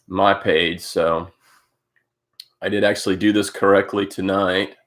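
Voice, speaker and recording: A man with a very low voice, stuffed up from a cold, hosts a casual live stream into a close webcam at home. He rambles loosely, greeting viewers one by one with plenty of "um"s and "uh"s. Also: little pitch movement, unhurried, fairly bright tone. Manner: rambling, greeting viewers by name, many fillers. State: congested from a cold. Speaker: host of a live cycling update stream.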